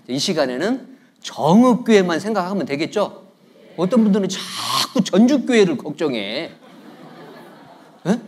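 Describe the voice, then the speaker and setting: A man's voice: sits high, a little mellow, husky. A middle-aged man, preaching a conversational sermon as a guest pastor in a church, joking and telling stories while he keeps prompting the congregation for replies. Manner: joking, storytelling tone. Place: church sanctuary.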